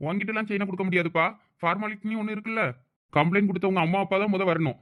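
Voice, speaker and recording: Casting: man as officious, doubting cartoon cop, high-toned, breakneck delivery, Tamil accent. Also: steady tone, rapid-fire, a bit bright. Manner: official, questioning. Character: strict, sceptical by-the-book police officer. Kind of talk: cartoon drama dialogue.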